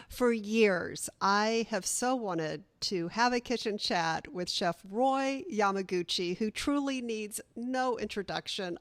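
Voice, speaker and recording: A woman's voice: mid-range voice, no echo. A woman hosting a casual interview, speaking in an effusive, gushing way. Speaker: host.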